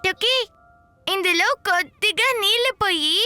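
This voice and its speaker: A woman's voice: very high-pitched, expressive, unhurried, over loud music. A woman voicing an earnest young child, a bossy older sibling, in a children's cartoon.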